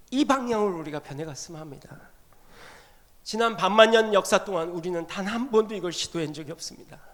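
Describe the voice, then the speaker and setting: A high-voiced man delivers a revival sermon, bursting into loud, emphatic exclamations and then falling to soft, intimate near-whispers. He often speaks tenderly in the second person. His voice rings with the long reverb of a church sanctuary. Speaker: missionary preacher.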